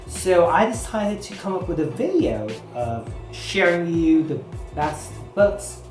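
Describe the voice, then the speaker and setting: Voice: medium pitch, big pitch swings, slow pace, a little mellow. Chatty book vlogger in echoey room. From Philippines. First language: Filipino. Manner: chatty, rambling, heavy use of "you know" and "like". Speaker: book reviewer. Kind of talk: casual chat to camera. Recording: echoey room with background music.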